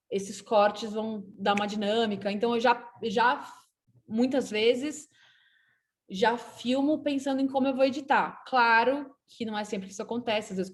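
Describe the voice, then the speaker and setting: A woman with a Brazilian accent, a guest actress and filmmaker talking casually on a live video call, chatty and full of restarts. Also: a little high. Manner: chatty, warm toward fans, many restarts. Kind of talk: casual talk on a live stream.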